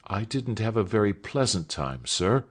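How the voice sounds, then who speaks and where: A man's voice: on the low side, sing-song, normal speed, breathy edge. A man reading aloud voices a nervous, earnest teenage schoolboy who speaks hesitantly.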